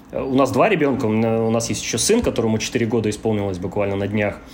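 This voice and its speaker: The voice belongs to a man. Room echo is audible around it. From Russian Far East, Kamchatka. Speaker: emigrant interviewee. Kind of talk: casual interview. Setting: online call. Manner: halting.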